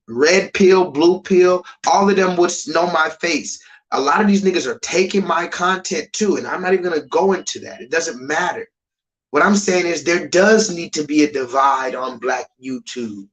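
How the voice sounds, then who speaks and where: A man ranting on a live stream, profane and rambling, jumping between loud high outbursts and low muttered asides. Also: poor audio. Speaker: livestreamer.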